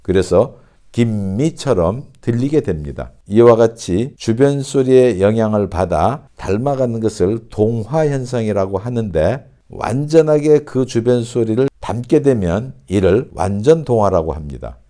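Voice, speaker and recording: 느리고 또박또박 설명하는 남자 영어 강사. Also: male voice, on the low side, lively intonation, mellow. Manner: slow, deliberate, repeats English example sentences very slowly. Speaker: English teacher. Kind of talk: online English pronunciation lesson.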